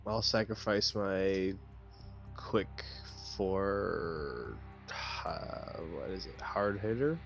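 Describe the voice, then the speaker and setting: A man playing a tabletop roleplaying game, talking casually in a hesitant, halting way. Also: low-pitched, animated, gravelly. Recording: dull lo-fi mic with music.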